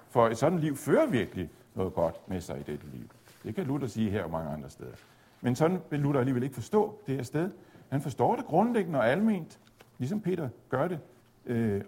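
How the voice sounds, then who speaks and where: Man lecturing on theology, measured and explanatory, husky voice, pitch rising and falling a lot. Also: warm tone. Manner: measured, explanatory, with occasional fillers and restarts. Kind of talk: spoken lecture on Luther's reading of Galatians.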